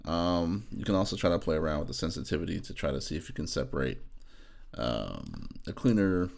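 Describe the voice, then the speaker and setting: Male tutorial narrator, low gravelly register, informal, thinks aloud while demonstrating. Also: lively intonation, a little fast, darkish tone. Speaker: audio engineer giving a software tutorial. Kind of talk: casual screen-recorded tutorial narration.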